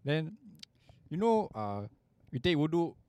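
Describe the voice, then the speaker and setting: A Singaporean man co-hosts a casual podcast with an animated, mobile voice. His talk is colloquial Singlish, full of local particles. The sound is dry and close. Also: a little high, unhurried, clean tone, dry recording. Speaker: podcast co-host. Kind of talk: casual chat and storytelling.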